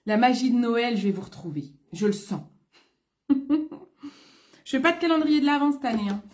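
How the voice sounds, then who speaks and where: A woman's voice: on the high side, moderate pace, darkish tone. Chatty French woman with a cold. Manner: chatty, greets viewers by name, many fillers. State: coming down with a cold, congested throat. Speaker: beauty consultant selling online. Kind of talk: casual live stream chat.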